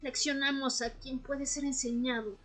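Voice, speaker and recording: A woman playing a patient, enigmatic vampire scholar in a radio drama, speaking in a measured, solemn way. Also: sits high, little pitch movement, a bit bright, faint music behind. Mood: instructive, measured. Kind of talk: Spanish-language amateur radio drama acting.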